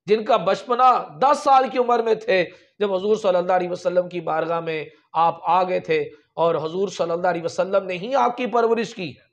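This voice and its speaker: A man's voice: high voice, muffled recording. A man preaching a sermon, telling religious stories with emphatic raised peaks. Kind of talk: storytelling sermon.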